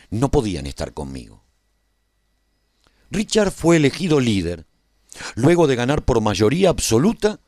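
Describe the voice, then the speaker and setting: A man playing a survivor who narrates a post-apocalyptic radio serial in the first person, in a measured, formal storytelling manner. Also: mid-range voice, darkish tone, dry recording, clean studio sound. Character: male survivor recounting the rebuilding of a post-apocalyptic world.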